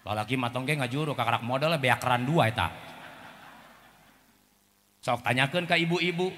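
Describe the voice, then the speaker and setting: A man with a Sundanese accent preaching a comic sermon, swinging between chanted verses, shouted warnings and low joking asides. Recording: hall reverb, faint background noise.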